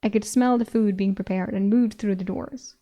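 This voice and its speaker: A woman's voice: mid-range voice, steady tone, moderate pace, warm tone. A young woman with a Swedish accent, a native Swedish speaker, reading a fantasy novel aloud and stopping to chat and giggle between passages. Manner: giggly, breaks into laughter. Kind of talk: audiobook reading with commentary.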